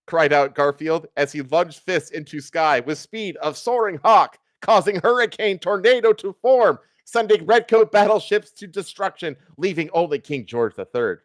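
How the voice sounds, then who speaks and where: Higher-voiced man narrating dramatically. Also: moderate pace, few pauses, no room sound, studio quality. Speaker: streamer reading fan fiction.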